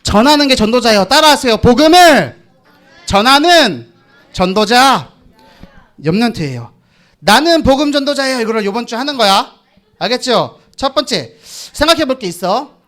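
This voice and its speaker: High-voiced man preaching to kids. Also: big pitch swings, brisk, fairly bright tone. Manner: call-and-response, coaxing kids to repeat. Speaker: children's pastor. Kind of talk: children's sermon.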